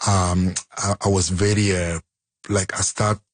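A man talks through an interview in a low, husky voice. He speaks hesitantly, leaning on fillers and restarting his sentences. The sound is dry and close. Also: flat delivery, a little slow, no echo. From Cameroon. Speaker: musician guest. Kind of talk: interview conversation.

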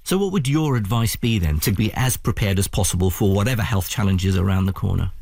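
A man interviewing a guest on radio, asking measured, courteous questions. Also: fairly low pitch, lively intonation, vocal fry, a little mellow, breathy edge, no room sound, studio quality.

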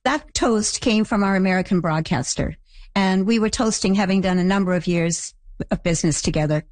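An older woman from Canada giving reflective, halting interview answers about a show she created. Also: mid-range voice, darkish tone, dry recording. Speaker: guest, creator of a teen drama.

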